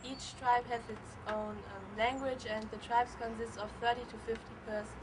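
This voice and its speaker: A woman's voice: fairly high pitch, level tone, normal speed, natural voice. A teenage girl playing a young Aboriginal girl guest in a school role-play, giving plain, blunt answers. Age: teens. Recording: far mic with background noise.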